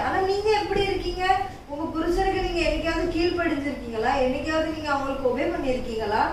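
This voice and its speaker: A woman's voice: very high voice, slight background noise. Woman playing a preachy church sister. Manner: earnest, preachy, quotes scripture slowly. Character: earnest woman churchgoer, lecturing with Bible verses. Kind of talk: amateur family skit acting. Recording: echoey room, far from mic.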